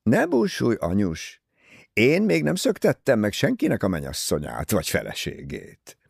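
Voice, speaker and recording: A man voicing a teasing, easygoing young English gentleman talking with his mother in an audiobook. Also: lowish voice, huge pitch swings, vocal fry, husky, no echo, studio quality, exaggerated voice. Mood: wry teasing. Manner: wry, teasing.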